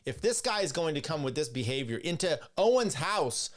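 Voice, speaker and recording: A man with a slightly high voice hosts a casual commentary show, reacting to debate clips. He talks bluntly and mockingly, with frequent laughs. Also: very animated, moderate pace. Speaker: host.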